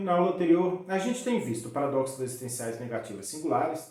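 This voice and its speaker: With audible room echo, a man talks at a fairly quick pace, his fairly high voice swinging very widely in pitch. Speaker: philosophy professor. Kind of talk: lecture.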